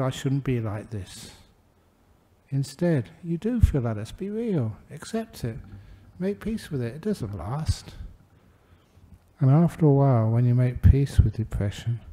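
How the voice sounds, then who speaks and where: An older man, a Buddhist monk giving a gentle, humorous dharma talk to a gathering. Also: mid-range voice. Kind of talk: relaxed dharma talk with anecdotes.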